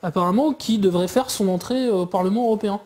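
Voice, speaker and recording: A man talking through politics in a casual discussion, pausing often with fillers and restarts. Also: high voice, darkish tone. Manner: hesitant, many fillers and restarts. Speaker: guest commentator.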